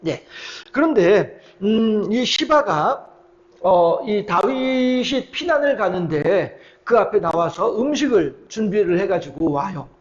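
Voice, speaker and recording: A man's voice: sits high, animated, takes it slowly, lo-fi sound. A man preaching a midweek sermon, retelling Bible scenes and acting out their dialogue with many fillers. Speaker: pastor.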